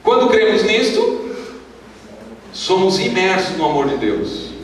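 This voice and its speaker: A Brazilian pastor preaching a sermon at a youth retreat, leading the congregation in call-and-response and reading scripture aloud. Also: male voice, high voice, big pitch swings, measured pace, slight background noise. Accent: Brazilian Portuguese. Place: large hall at a youth retreat. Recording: echoey hall, voice from far off.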